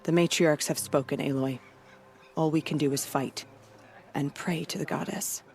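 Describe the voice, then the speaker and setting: A woman playing a stoic, devout tribal warrior in a video game, speaking in a solemn, measured and formal way. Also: low voice, fairly even intonation, gravelly, darkish tone, soft background music. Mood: grave. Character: stoic, devout female tribal warrior commanding a village's defenses. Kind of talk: dramatic video game dialogue.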